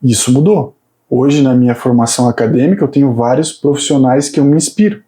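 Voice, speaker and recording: A man in his thirties, a fitness coach and PhD student, chats as a guest in a casual interview. His mid-range voice is dark-toned and a little fast as he earnestly describes his path, with many hesitant restarts.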